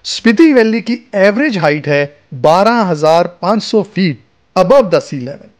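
With faint music in the background, a lively, high-pitched man reads a travel vlogger's scripted narration, recorded as a voice-over rather than on location. He guides his viewers along, talking to them like friends.

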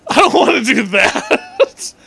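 Man as teenage schoolgirl, high-pitched, indignant, plaintive, protesting, comic story reading. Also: huge pitch swings, takes it slowly, creaky, pushed and bright, husky, heavily acted. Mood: upset.

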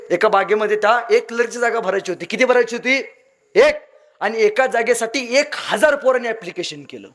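A young man from Maharashtra, giving a motivational speech full of acted-out stories and emotional swings. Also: high-pitched. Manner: dramatic, acts out voices in anecdotes, emotional swings. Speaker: motivational speaker.

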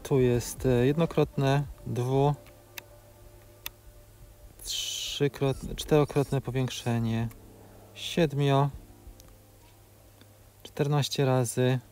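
Very slow, flat, and broken by long pauses, the mid-range, slightly mellow voice of a man in his forties carries over slight background noise. A drone video creator, he delivers a practical step-by-step tutorial while flying outdoors in open grassland, with filler sounds between phrases.

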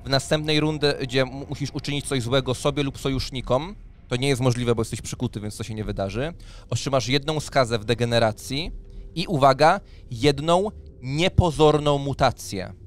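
A man's voice: medium pitch, moderate pace. A man in his thirties acting as game master, explaining rules and narrating a tabletop role-playing scene. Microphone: studio microphone on a boom arm. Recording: clear background noise.

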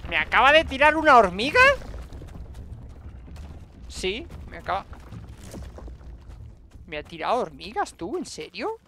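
A man giving excited gameplay commentary as a streamer, repeating words in quick bursts and talking to himself and his viewers. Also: high voice, slight background noise. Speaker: gaming streamer.

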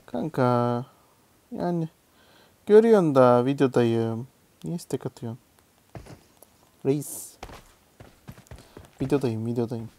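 A man's voice: medium pitch, takes it slowly, pauses often, mellow. A young man gives casual commentary while playing a mobile game, muttering to himself and swearing or yelping when a jump fails. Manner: muttering, swears and yelps at failed jumps. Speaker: gaming YouTuber.

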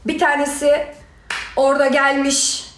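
Young woman, high-pitched, angry livestream rant, sarcastic and scolding, echoey room. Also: completely flat delivery, a little slow, fairly bright tone, a little hiss or hum. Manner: heated, sarcastic, scolding, addresses viewers directly. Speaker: reality show contestant answering critics.

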